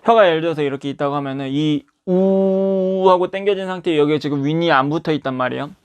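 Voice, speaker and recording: A man teaching English pronunciation, explaining tongue positions and repeating example words slowly to demonstrate. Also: on the high side, smooth.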